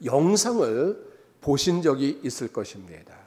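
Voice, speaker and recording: A man preaching a sermon as pastor, slow and emphatic, with dramatic swings in his voice. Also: mid-range voice, sing-song, dark tone, big-room sound.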